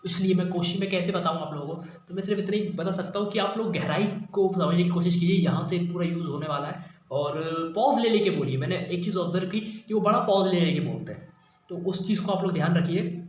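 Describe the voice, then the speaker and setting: A man's voice: sits high, brisk. A man casually teaching mimicry in a rambling, self-deprecating, apologetic way. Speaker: mimicry tutorial YouTuber. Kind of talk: casual spoken tutorial. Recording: very echoey room, faint noise.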